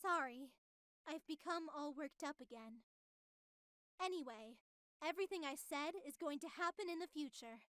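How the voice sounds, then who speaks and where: A woman's voice: high-pitched, expressive, moderate pace, a bit bright, dry recording, studio quality. A woman voicing an unhinged, childlike artificial superintelligence in a horror visual novel, theatrical and grandiose, swinging between sweet and menacing. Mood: composed, ominous. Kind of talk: scripted visual novel voice acting.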